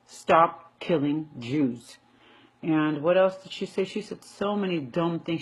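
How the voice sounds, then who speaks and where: An American woman giving an unscripted opinion monologue in an emphatic, indignant, argumentative manner, with a husky voice. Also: on the low side, rough recording. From United States. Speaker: online video commentator.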